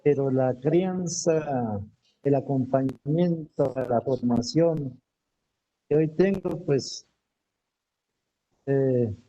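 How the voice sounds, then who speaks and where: Slow, halting man with a dark voice. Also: medium pitch, poor audio. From Misak community, Cauca, Colombia. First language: Namuy Wam. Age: middle-aged. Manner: halting, repeats words while searching for them. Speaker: teacher, panel guest. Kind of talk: panel talk, personal memories.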